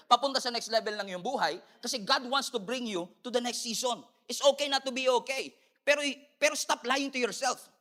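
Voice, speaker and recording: A man with a Filipino accent preaching an animated sermon as pastor, mixing in English and calling for amens. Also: very high-pitched, fairly quick.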